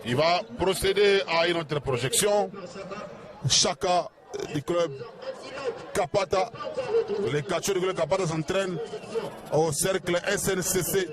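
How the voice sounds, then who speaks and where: A man giving excited live play-by-play of a wrestling match outdoors, asking himself rhetorical questions. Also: sits high, unhurried, long pauses. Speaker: wrestling commentator. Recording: crowd noise behind. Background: cheering crowd.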